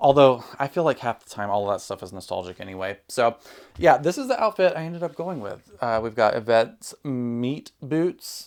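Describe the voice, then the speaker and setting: A man with an American accent talks at a moderate pace, his pitch swinging very widely and his loudness varying greatly. The recording is very clean, with a silent background. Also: medium pitch for a man. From US South. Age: 30s. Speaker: doll collector YouTuber. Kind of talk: casual unboxing vlog. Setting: bedroom.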